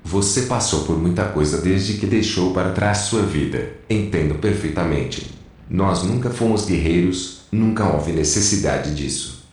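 An actor playing a weary, cautious male peacemaker among rebels, measured and placating, in an audio drama. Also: sits low, a little mellow. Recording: very echoey space.

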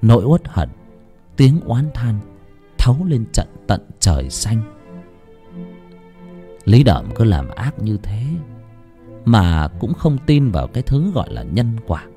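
A man narrates a grim folk tale in a grave, emphatic storytelling voice. His voice sits low but rises and falls expressively to dramatize each scene. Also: very animated, takes it slowly, long pauses, mellow, faint music behind.

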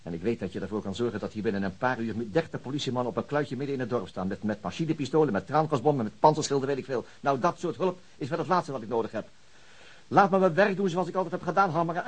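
A principled detective in a radio play. He talks quickly in a husky voice. His manner is dry, tired and stubborn, feeling his way through phrases. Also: medium pitch, lively intonation. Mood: defiant. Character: dogged, weary, principled male police detective. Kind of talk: Dutch radio drama acting.

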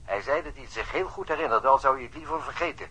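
A man's voice: medium pitch, lively intonation, fast talker, pushed and bright, slightly rough. An actor playing a diligent, eager policeman reporting over a telephone line in a radio drama. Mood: eager, matter-of-fact. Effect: telephone filter.

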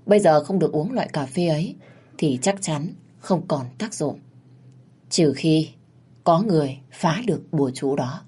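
A woman narrating an audio story in a steady, dramatic storytelling manner. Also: low-pitched, normal speed, slightly rough.

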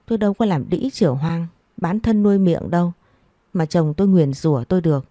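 Woman narrator, sorrowful measured storytelling, low and mellow. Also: no echo, studio quality. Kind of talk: first-person scripted narration.

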